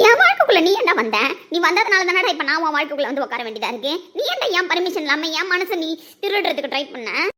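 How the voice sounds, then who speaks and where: A woman's voice: high-pitched, animated, sharp tone. A woman playing a defiant young wife. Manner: defiant and taunting, quick retorts. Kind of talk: amateur audio drama acting.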